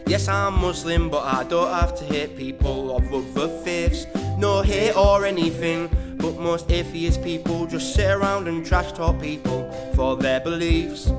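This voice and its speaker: A woman's voice: lowish voice, unhurried, few pauses. A woman reading a viewer comment aloud. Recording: loud hip hop music under voice.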